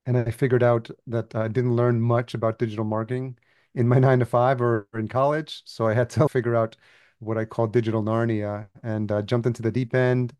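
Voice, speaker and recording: A man's voice: medium pitch, level tone, brisk, darkish tone, smooth, no echo. A man from El Salvador, a podcast agency founder, telling his story as a guest in a casual interview and laughing easily.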